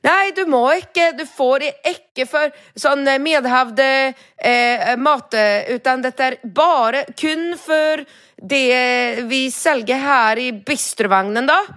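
A woman voicing a fussy, rule-bound Norwegian man behind a train café counter, with shrill, stubborn refusals. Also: big pitch swings, a bit bright.

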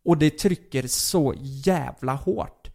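A young man casually telling a story on a podcast, animated, with many fillers and curses. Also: on the high side, vocal fry.

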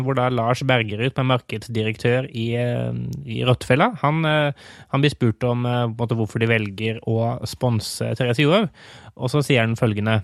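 Male co-host, average pitch, casual commentary with halting phrasing, recorded dry. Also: no room sound. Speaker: podcast co-host. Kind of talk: casual media commentary chat.

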